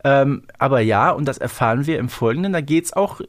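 Lively man chatting on a podcast. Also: mid-range voice, brisk. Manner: colloquial, frequent tag questions. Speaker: podcast co-host. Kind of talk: casual podcast discussion.

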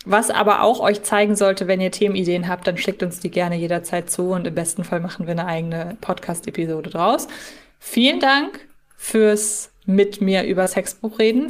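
A woman co-hosting a casual fan podcast, chatting in a wordy, emphatic way. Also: medium pitch. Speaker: podcast co-host.

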